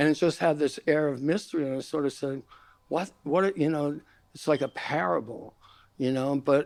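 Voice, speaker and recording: This voice carries a New York accent. It moves along at a moderate pace. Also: man. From New York (Great Neck, Long Island). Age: 70s. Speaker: musician and songwriter. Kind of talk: casual interview chat.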